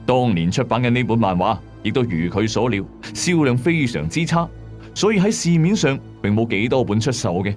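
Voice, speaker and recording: A man's voice: mid-range voice, animated, normal speed, soft background music. A man with a Hong Kong Cantonese accent hosting and telling a mystery story in scripted narration. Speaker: host and storyteller.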